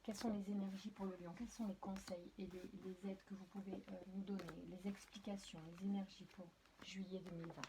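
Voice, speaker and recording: A woman's voice: medium pitch, little pitch movement, brisk, few pauses, background noise. A woman doing a casual spoken tarot card reading, talking straight to her viewers, hesitant, with many fillers, restarts and apologies. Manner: addresses viewers directly. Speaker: tarot and oracle card reader.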